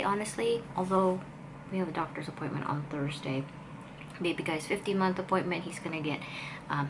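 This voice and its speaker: A woman's voice: on the low side, noisy background. A woman in her thirties with a light Filipino accent, chatting casually and rambling to her vlog camera and losing her train of thought. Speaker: vlogger and artist. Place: home studio and walking outdoors.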